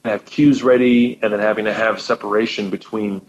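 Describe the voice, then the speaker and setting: A man's voice: on the low side, fairly even intonation, fairly quick, muffled recording. A man, a professional musician guest, chatting with enthusiasm and often repeating words as he thinks. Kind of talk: casual chat.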